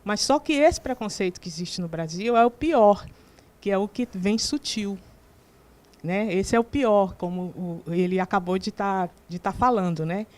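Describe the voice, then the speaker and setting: Brazilian woman, mid-pitched voice, calm and measured TV panelist. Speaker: panel guest. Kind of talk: TV panel debate.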